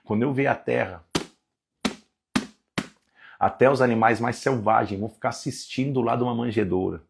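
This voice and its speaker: A man preaching through a Bible chapter, his voice gravelly and husky. He reads verses aloud and exclaims with emotion, voicing God's words with rising emphasis. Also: mid-range voice, moderate pace. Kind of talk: Bible reading and sermon.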